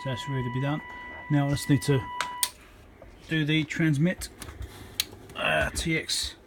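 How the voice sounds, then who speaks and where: An electronics repair presenter talking casually as he works at his home workbench, thinking aloud with frequent ums and pauses. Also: fairly high pitch, steady tone, gravelly, fairly bright tone, slight background noise. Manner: thinks aloud with many ums, counts into the mic.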